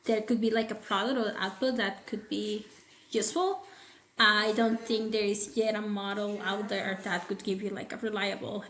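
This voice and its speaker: A woman's voice: mid-range voice, a bit bright, a little hiss or hum. A woman guest speaking in a casual podcast conversation, thoughtful and hedging with frequent fillers. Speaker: guest toxicologist. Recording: roomy echo.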